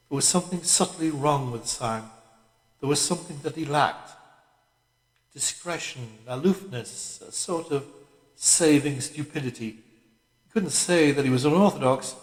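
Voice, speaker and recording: A man reading a literary audiobook as scripted narration, with measured, deliberate phrasing. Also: mid-range voice. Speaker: audiobook reader. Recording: echoey room with long reverb.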